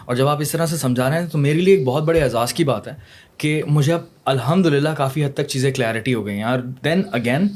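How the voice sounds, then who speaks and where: A man hosting a podcast, chatting casually and slipping English phrases into his talk. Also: medium pitch. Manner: chatty, mixes English phrases, warmly impressed. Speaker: podcast host.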